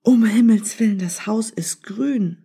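A woman's voice: mid-range voice, unhurried, mellow, breathy edge. A rude, bewildered village man, read by a woman. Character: rude grown man, confused and pleading.

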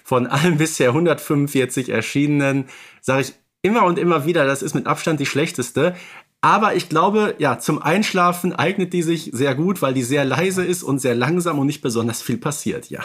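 A man's voice: on the high side, moderate pace, a bit bright, husky. A man in casual podcast banter, giving his opinions emphatically.

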